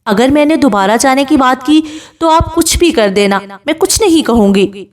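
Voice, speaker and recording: A woman's voice: high voice, lively intonation, voice pushed up. A woman reading as a frightened young bride. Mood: pleading. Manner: pleading, tearful. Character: young bride, defiant then pleading.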